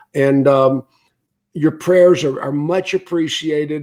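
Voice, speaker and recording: A man speaks at a fairly slow pace in a fairly high pitch with a dark, mellow tone. His intonation is fairly even, and the recording is very clean with a silent background. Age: 70s. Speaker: automotive industry consultant and speaker. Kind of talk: casual interview chat.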